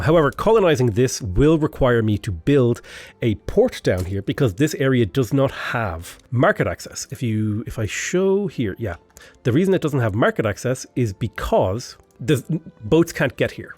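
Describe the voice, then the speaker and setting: A man with a stuffy voice from a mild cold, walking through a strategy game in easy, chatty commentary. His pitch rises and falls a lot as he explains, often restarting his sentences. The close, dry sound carries no room echo. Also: darkish tone. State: stuffy, a bit unwell. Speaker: game tutorial host. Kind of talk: casual gameplay commentary.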